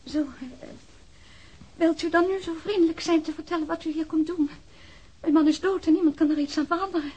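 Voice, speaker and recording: An actress playing a bewildered, indignant new widow in a radio drama, halting yet insistent. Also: female voice, very high-pitched, darkish tone, dull audio, slight background noise. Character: bewildered, indignant newly widowed wife of a policeman. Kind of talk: naturalistic radio drama acting.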